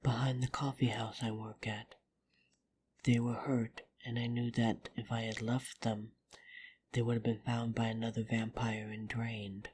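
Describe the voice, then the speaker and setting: A woman playing a polite, steadfast vampire in a fantasy audio drama, earnest and soft-spoken, with a breathy half-whisper. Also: flat delivery, unhurried, full character voice. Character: polite, steadfast young female vampire coffee house worker. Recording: noisy microphone with rumble and clicks.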